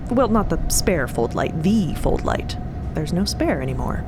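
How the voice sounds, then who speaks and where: A woman giving scripted narration for a fantasy audio drama, with rumbling ambience behind her. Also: moderate pace, over music. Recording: steady rumbling ambience under voice.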